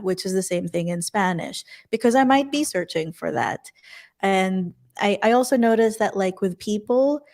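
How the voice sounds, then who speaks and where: A woman from the Philippines, Tagalog her first language, hosts an online conversation in a relaxed, chatty way. Her voice sits at an ordinary middle pitch, and she laughs easily as she goes. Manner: relaxed, laughs often, reads viewer comments. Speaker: podcast host. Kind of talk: casual interview chat.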